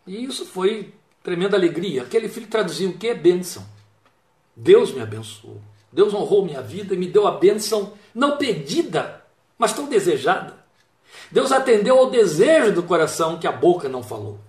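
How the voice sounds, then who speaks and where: A man's voice: high-pitched, sing-song, fairly quick, darkish tone, reverberant. A man preaching a sermon, retelling a Bible story with quoted dialogue and reflective asides.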